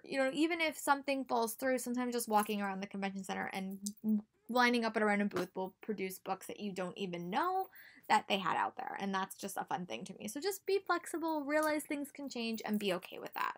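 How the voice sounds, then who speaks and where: A woman's voice: mid-range voice, animated, fairly quick, fairly bright tone. A young American woman giving casual, chatty advice to camera in a small room at home, speaking emphatically and repeating words for stress. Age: young adult. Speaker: book vlogger.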